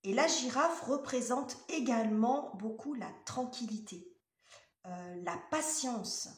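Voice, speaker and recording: A woman's voice: on the high side, takes it slowly. Hesitant woman reading tarot, roomy echo. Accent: French. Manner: hesitant, many fillers and restarts. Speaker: tarot reader.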